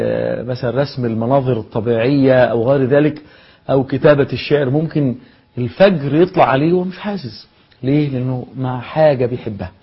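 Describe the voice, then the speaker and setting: A man with an Egyptian Arabic accent giving a spoken lesson as a Quran memorization teacher, lecturing in a lively way with rhetorical questions. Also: medium pitch, breathy edge. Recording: dull lo-fi recording.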